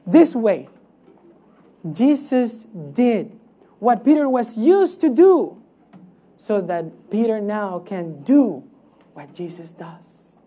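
A woman's voice: lowish voice, mellow. A woman from Cuba preaching a sermon in an emphatic, teaching way, with rhetorical questions and repeated phrases.

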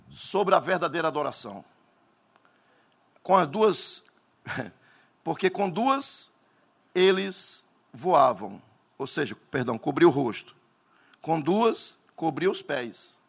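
A Northeastern Brazilian man preaching a Pentecostal sermon, telling stories dramatically and bursting into shouts. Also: a little high, big pitch swings, slow pace, long pauses, slightly rough.

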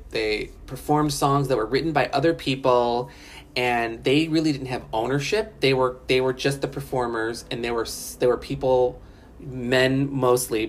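A woman in Los Angeles giving a casual, chatty spoken review of a documentary, frank and often profane, with lots of fillers. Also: very deep voice.

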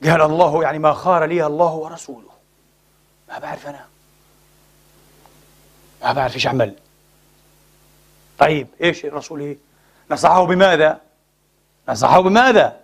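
A man's voice: a little high, level tone, a little fast, long pauses, breathy edge. A Palestinian man preaching a Friday sermon in a mosque, impassioned and mixing colloquial speech with formal phrasing.

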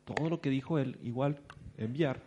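A man's voice: medium pitch, normal speed, lo-fi sound, noisy background. A man with a Mexican accent gives a business talk to an audience, telling a story and acting out the people in it. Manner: animated, acts out the people he quotes. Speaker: business speaker.

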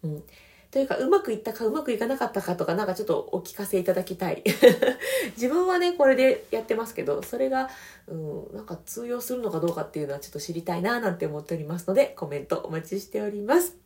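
A woman with a Kansai accent giving casual, gentle advice as a podcast host, laughing lightly between points. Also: mid-range voice, big pitch swings, fast. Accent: Kansai Japanese.

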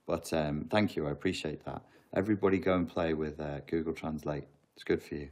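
A man's voice: extremely low pitch, fairly even intonation, brisk, a little mellow. A man, chatting casually on a live stream, answering viewer questions in a rambling, joking, self-mocking way.

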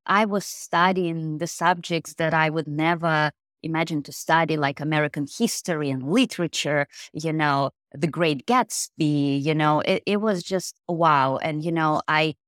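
Low-voiced woman with Ukrainian accent. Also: fairly even intonation, a little slow, few pauses, a bit bright, no echo, clean studio sound. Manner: thoughtful, with many "you know" fillers. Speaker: podcast guest, mindfulness coach. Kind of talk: casual interview talk.

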